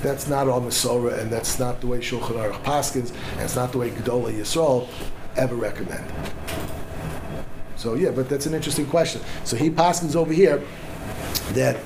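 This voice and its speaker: A man's voice: medium pitch, steady tone, fairly quick, noisy background. A middle-aged man teaching a class on Jewish law as a rabbi, discursive and full of Hebrew legal terms, often restarting his sentences. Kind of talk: lecture on Jewish law with audience questions.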